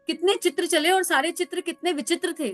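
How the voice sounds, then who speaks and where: A woman's voice: very high-pitched, fairly even intonation, a little fast, fairly bright tone, soft background music, pitched above the performer's own voice. A woman voicing a serene old holy wanderer.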